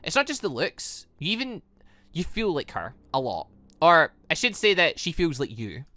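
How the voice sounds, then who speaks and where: Defiant teen lead read by a gaming host, sharp-witted, indignant, lively pitch swings, visual novel drama. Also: moderate pace, no room sound. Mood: probing, insistent. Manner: indignant, challenging. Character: defiant, sharp-witted teenager confronting an older woman.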